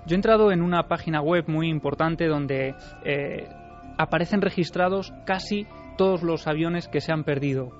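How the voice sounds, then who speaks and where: Male radio storyteller, higher pitch, lo-fi broadcast, faint music. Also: normal speed. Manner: narrative, addresses the host directly. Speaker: radio show contributor.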